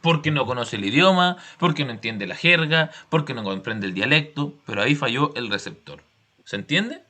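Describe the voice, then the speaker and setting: A man's voice: mid-range voice, expressive, normal speed, bright, forceful tone. A man with a Chilean accent teaching a class, explaining step by step with examples and frequent check-in questions.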